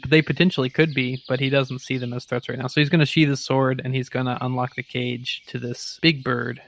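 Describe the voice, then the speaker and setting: A man's voice: a little high, slight background noise. Casual man telling a game story. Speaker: player in a tabletop roleplaying game.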